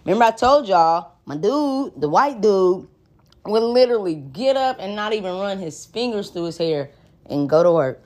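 A podcast host, a woman with an African American accent, delivers a candid, casual monologue that's blunt, slangy and full of swearing. Her mid-range voice is animated and a little dark in tone, moving at a moderate pace.

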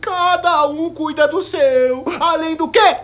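An actress playing a sharp-tongued, stubborn, teasing backcountry gunwoman in a radio drama. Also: very high voice, slow pace. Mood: defiant, dry. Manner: teasing, colloquial, defiant.

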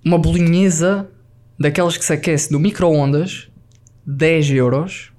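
A man telling a lively travel story on a casual podcast, peppered with slang and English words. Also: a little high, measured pace.

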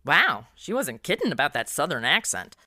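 A woman's voice: sits low, moderate pace, no echo, clean studio sound, exaggerated voice. A woman playing a flippant, slangy modern young woman in her twenties in a comedy audio drama. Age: 20s. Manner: flippant, expressive. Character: sassy, slangy modern twenty-something woman turned detective.

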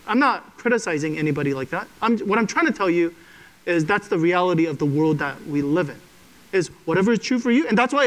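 A man's voice: high voice, fairly bright tone, low-quality recording. A man preaching a sermon to a congregation in a conversational way, often checking in with "okay?". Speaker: pastor.

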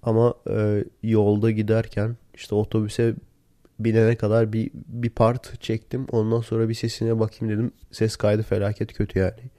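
A man hosts a casual solo podcast while sick and worn out. His hoarse voice is mellow and dark, with little melodic movement. He is recorded close and dry, talking informally to his listeners. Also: lowish voice, level tone, moderate pace, no room sound. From Turkey. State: sick and tired, lost voice. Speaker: podcast host. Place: in bed at home. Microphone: handheld voice recorder, close.

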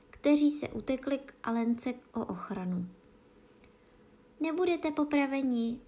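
Storyteller, woman, calm storybook narration, slightly high voice. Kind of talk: children's storybook reading.

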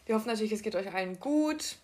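A woman co-hosting a casual podcast, chatty and quick with asides and youthful slang, on an amateur home mic. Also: mid-range voice, lively intonation, dark tone. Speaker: podcast co-host. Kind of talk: casual chat.

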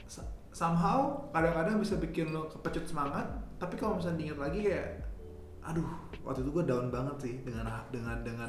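A man's voice: a little high, a little hiss or hum. A man hosting a casual podcast, slangy and laughing often. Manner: slangy, laughs often, talks to listeners as guys. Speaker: podcast host. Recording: echoey room with faint ambience.

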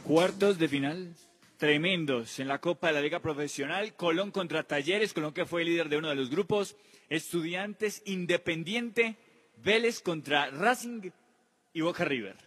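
A man's voice: a little high, moderate pace, a bit bright, husky, soft background music. A man presenting an international football news round-up, with emphatic delivery and stretched words. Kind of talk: sports news round-up narration. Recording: long reverb on the voice.

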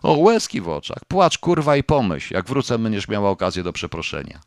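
A contemptuous husband snaps and jeers in crude bursts, voiced by a man reading an audiobook. The voice climbs high above the reader's low register. The sound is dry and close, with no room around it. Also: sing-song, fairly quick, fairly bright tone, dry recording, full character voice. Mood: furious. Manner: mocking, crude, talks through clenched teeth. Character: scornful, furious husband, a lawyer. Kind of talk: audiobook character voice.

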